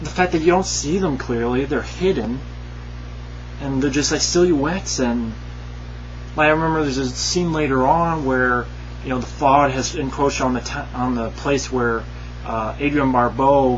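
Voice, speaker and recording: A man talks with long, frequent pauses amid noticeable background noise and audible room echo. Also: moderate pace. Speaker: movie reviewer. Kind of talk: casual movie review monologue. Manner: rambling, hesitant with fillers.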